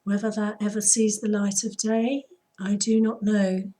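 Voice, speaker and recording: A woman with a husky, throaty voice, still hoarse from an illness. She speaks softly and slowly, and her pitch stays flat and level. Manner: soft, unhurried, intoning. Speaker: spiritual healer. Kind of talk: slow chanted healing invocation; casual chat to viewers.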